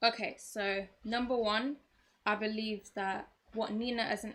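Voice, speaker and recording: In a British accent, a woman speaks at medium pitch with a bright, sharp tone. Her intonation stays fairly even. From UK. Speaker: host's daughter. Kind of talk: casual chat.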